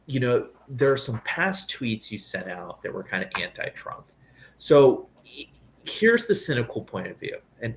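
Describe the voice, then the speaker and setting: A man's voice: fairly low pitch, slight background noise. A man hosting a podcast, asking long, chatty questions full of fillers. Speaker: podcast host. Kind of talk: casual interview questions.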